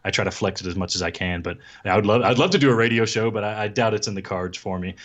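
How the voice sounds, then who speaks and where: Male guest with a deep voice, musing and modest, restarting his sentences. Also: fast talker, muffled recording, crowd noise. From South Dakota. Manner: thoughtful, self-deprecating, frequent restarts. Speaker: podcast guest. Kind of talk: casual chat.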